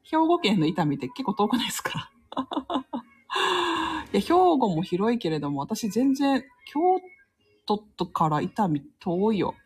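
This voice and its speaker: A woman's voice: on the high side, very animated, a little slow, long pauses, breathy edge. Chatty, laughing woman hosting a live stream. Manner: chatty, laughs often, reads comments aloud. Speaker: livestream host reading listener comments. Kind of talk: casual live-stream chat.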